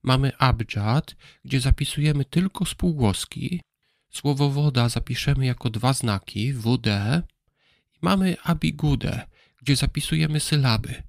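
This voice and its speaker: Man, presenter of a history program, calm explanatory delivery, spells letters slowly, gravelly tone. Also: medium pitch, dry recording, studio quality. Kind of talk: scripted educational narration.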